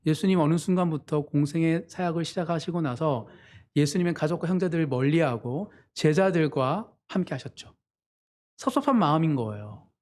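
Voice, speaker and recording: A man's voice: animated, moderate pace, darkish tone. A man preaching a Sunday sermon as pastor, in an earnest manner. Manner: earnest preaching, voices quoted family members with sudden pitch jumps.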